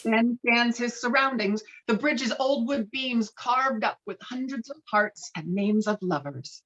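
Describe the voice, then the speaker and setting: A woman's voice: fairly high pitch, a little slow, fairly bright tone. A woman reading stage directions as the narrator of a dramatic script table read. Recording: dull, lo-fi call audio.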